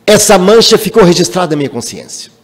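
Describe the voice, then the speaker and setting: This spiritist center lecturer from Minas Gerais, Brazil, has a high-pitched voice and a quick pace. He's an animated, emphatic storyteller, weaving personal stories into his spiritual lecture, and the meeting hall adds a long reverb.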